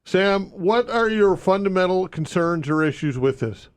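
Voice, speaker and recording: A man's voice: high voice, expressive, moderate pace, clean tone, no room sound. A man hosting a talk radio show in a studio, speaking emphatically and repeating the call-in details. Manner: emphatic, repeats phone number. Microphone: studio microphone.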